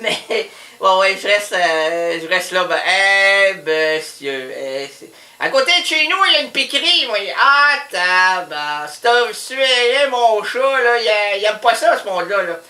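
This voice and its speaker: A man's voice: high voice, lively intonation, unhurried, reverberant, full character voice. A man voicing a rambling, scatterbrained older housewife with a Quebec French accent in a radio comedy sketch. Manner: rambling, scatterbrained, prone to sudden shouts. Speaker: comic character caller.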